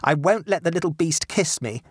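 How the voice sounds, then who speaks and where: A man's voice: fairly high pitch, lively intonation, moderate pace, slightly rough, no echo, studio quality, pitched above the performer's own voice. A man voicing a sulky, spoiled little rich boy who speaks with scorn, in a storybook reading.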